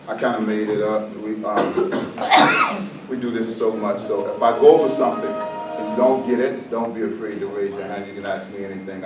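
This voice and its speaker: Man joking through a talk in an echoey room. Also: lowish voice. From U.S. Virgin Islands (St. Croix). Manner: joking, chatty, loose and conversational. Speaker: fire department safety presenter. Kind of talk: informal presentation to a seated group. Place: meeting room with an audience. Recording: echoey room, mic far off, noisy background.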